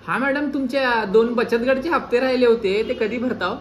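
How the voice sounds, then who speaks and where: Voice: medium pitch, brisk. A person, chatting casually as a vlogger and persistently playing a mock-earnest caller in a phone prank. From Solapur, Maharashtra, India. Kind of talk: casual vlog chat and prank phone call. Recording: clearly noisy ambient recording.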